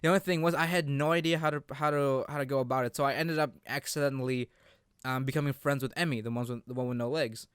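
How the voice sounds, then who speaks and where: Man, podcast host, clean smooth voice, dry close sound, halting casual talk, restarts phrases. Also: mid-range voice, steady tone, fairly bright tone, no room sound. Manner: halting, repeats and rephrases himself. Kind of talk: casual chat about visual novel games.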